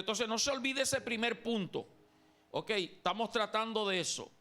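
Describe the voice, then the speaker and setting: A man's voice: extremely high pitch, pushed and bright. A man from Colombia preaching a sermon as pastor in a church, emphatic and calling on the congregation to repeat after him. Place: church sanctuary.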